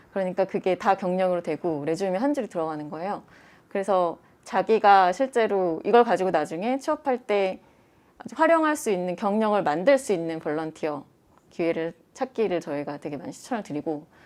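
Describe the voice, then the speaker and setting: On a very clean recording with a silent background, a woman with an unremarkable speaking voice talks at a medium pitch and a fairly quick pace with lively intonation. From South Korea. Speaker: CEO of a career-support startup. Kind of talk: interview.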